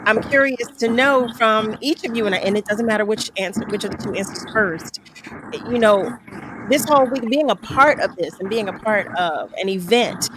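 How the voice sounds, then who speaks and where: A woman's voice: medium pitch, moderate pace, noisy background. A woman hosting a talk show, friendly and chatty, asking her guests questions. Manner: friendly, laughing, asks questions. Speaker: host. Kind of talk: casual talk show interview.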